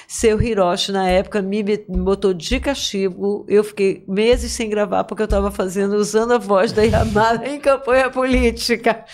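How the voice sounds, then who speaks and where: Female voice talent, warm-hearted lively storyteller, podcast guest. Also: mid-range voice. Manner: lively storyteller, laughs often, animated. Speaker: guest voice-over artist. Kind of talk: casual podcast chat. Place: podcast studio.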